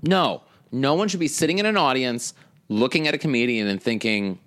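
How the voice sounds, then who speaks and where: A man's voice: mid-range voice, fairly quick, fairly bright tone. A man from St. Louis, a comedian, talking in a rambling, blunt, profane way, often cutting himself off mid-sentence. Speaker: comedian, podcast guest. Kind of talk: casual podcast chat.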